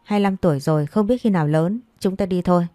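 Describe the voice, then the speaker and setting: A woman's voice: lowish voice, fast talker, warm tone, no room sound, close to an everyday voice. A woman voicing a stern, protective older uncle who speaks in curt, clipped orders in a storybook.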